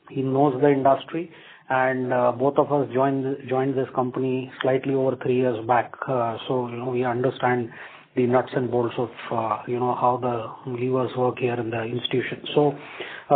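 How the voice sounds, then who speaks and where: A man with an Indian accent, an executive speaking on an earnings call in a halting, repetitive way with many fillers. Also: medium pitch, a little hiss or hum. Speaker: company executive. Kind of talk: earnings call remarks and answers. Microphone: phone or conference line. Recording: tinny phone conference line.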